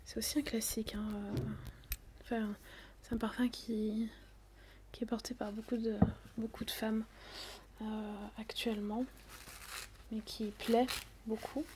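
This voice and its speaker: A woman whispering softly as a perfume saleswoman in an ASMR roleplay, hesitating with many fillers. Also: fairly high pitch, flat delivery, unhurried, pauses often, noisy background. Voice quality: soft whisper.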